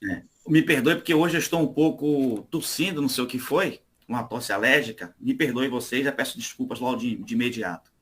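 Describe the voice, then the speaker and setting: A man's voice: mid-range voice, a little fast, hardly any pauses, fairly bright tone. A man from Salvador with a Bahian Brazilian accent, speaking conversationally as a guest at an online religious study meeting and often adding tag questions. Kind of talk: informal religious talk.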